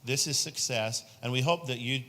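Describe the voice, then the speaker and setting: A male state senator asks a question from the floor of a conference session, using it to promote a program earnestly and at length. He speaks at normal speed in a bright, forceful, mid-range voice.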